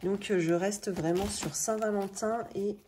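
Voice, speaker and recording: A woman in her thirties with a French accent chats casually, thinking aloud in colloquial speech with a slightly rough morning voice. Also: medium pitch, fairly even intonation, measured pace. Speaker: budgeting video host. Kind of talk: casual chatty vlog narration. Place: indoors at a table. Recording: noisy home recording with clicks.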